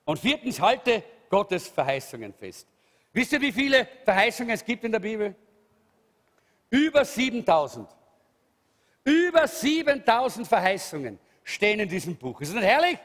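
High-pitched, animated preaching man. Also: normal speed. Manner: lively, emphatic preaching with calls of hallelujah. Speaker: pastor. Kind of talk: sermon. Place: church hall. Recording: reverberant church hall.

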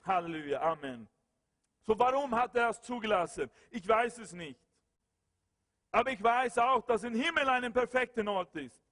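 High-pitched impassioned male preacher. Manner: impassioned, swings between loud calls and low murmurs. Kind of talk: sermon with prayer. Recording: long hall reverb.

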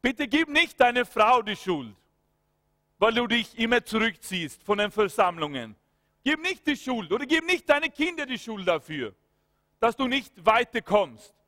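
A man's voice: very high voice, big pitch swings, measured pace, bright, forceful tone. A man preaching a fervent sermon, breaking into prayer and peppering his points with hallelujahs and amens. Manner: breaks into spoken prayer and commands. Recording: long hall reverb.

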